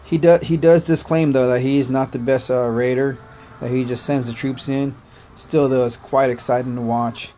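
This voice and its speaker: A man born in Korea whose first language was Korean, chatting casually on a game livestream, thanking viewers by name and filling pauses with "uh" and "man". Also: medium pitch, fairly even intonation, warm tone, slight background noise. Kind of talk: casual gaming livestream chat.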